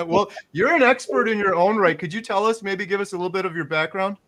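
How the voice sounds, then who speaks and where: A man with a somewhat high voice hosts a live stream. He keeps it upbeat and laughs easily as he brings guests in. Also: fairly quick, a bit bright. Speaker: host.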